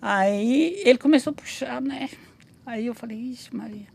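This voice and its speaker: A woman's voice: on the high side, moderate pace, vocal fry, darkish tone, husky. A woman in her sixties telling her life story in a casual interview, rambling with many restarts and tag questions. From Brazil. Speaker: interview guest, memoirist.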